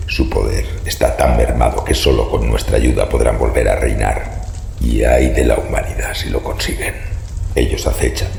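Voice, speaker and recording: An actor playing a haunted, secretive old man who gives grave, ominous warnings in a horror audio drama, with a rasping voice. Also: extremely low pitch, darkish tone, heavily acted. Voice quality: very gravelly, breathy rasp. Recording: echoey hall reverb, faint noise.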